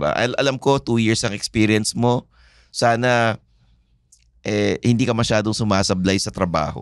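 A man with a fairly low pitch speaks at a moderate pace in a normal speaking voice against a quiet background. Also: ordinary pitch variation, dry sound with no echo. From Philippines. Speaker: podcast host. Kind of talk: casual chat. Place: studio. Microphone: studio mic.

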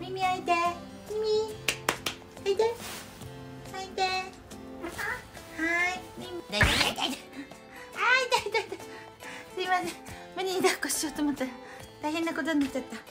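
An extremely high woman's voice with very wide pitch swings, over clear background music. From Japan. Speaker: YouTuber living alone who does handmade crafts and room tours. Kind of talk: casual talk to camera, vlog. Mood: pained laughing, flustered. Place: home room. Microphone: phone near.

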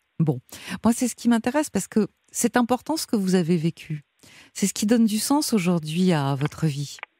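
A woman's dark, mellow, warm voice, somewhat breathy, moves at a moderate pace with very wide pitch swings in a dry sound with no echo. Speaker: radio host. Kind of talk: late-night call-in show. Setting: studio. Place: studio.

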